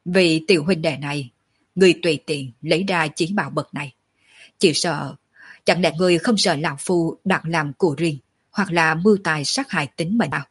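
A woman's voice: low-pitched, breathy edge. A woman voicing a dignified, commanding old male clan patriarch in a storybook reading. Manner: measured, commanding, calls himself old man.

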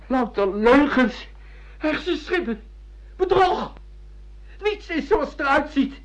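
A woman's voice: high voice, lively intonation, slow. A woman acting an agitated, embittered figure railing vehemently and theatrically against lies in a Dutch radio play. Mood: vehement, scornful. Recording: dull lo-fi radio play recording.

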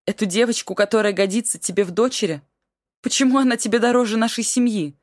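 A woman's voice: fairly high pitch, quick pace, no room sound, studio quality, pitched above the performer's own voice, close to an everyday voice. A woman voicing a heartbroken middle-aged wife who cries and pleads in a raised voice. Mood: distraught.

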